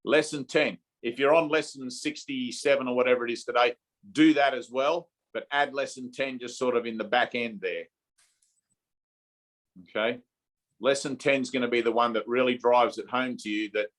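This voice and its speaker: A man's voice: mid-range voice, a bit bright. A man leading an informal spiritual teaching session over a video call, often checking in with his listeners with "okay?" and "right?".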